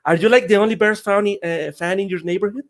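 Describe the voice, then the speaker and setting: High-voiced co-host, friendly. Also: male voice, fast talker. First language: Spanish. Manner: friendly, laughing, admits nerves. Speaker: podcast co-host. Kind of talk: casual podcast conversation.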